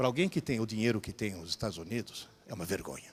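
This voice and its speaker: A man talks in a medium pitch at a fairly quick pace. His tone is animated and his intonation lively. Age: 60s. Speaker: professor. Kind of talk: lecture.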